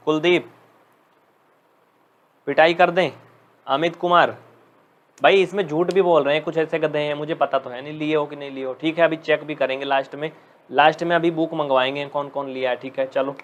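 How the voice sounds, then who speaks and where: Higher-pitched man teaching math, scolding. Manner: scolding, teasing students, reading out commenters' names. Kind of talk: live online class lesson.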